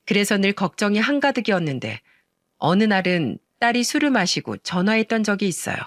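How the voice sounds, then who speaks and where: A woman's voice: medium pitch, big pitch swings, fairly quick, no room sound, clean studio sound. An older woman narrating an earnest, indignant story about her daughter. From South Korea.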